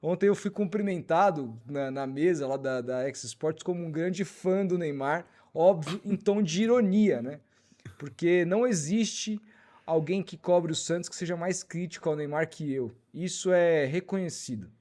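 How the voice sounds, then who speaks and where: A man with a high voice hosts a live football talk stream. He reads out viewer comments and answers critics in a blunt, informal way, with a quick delivery. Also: mellow. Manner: blunt, fast-talking, informal. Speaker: channel host reading superchats.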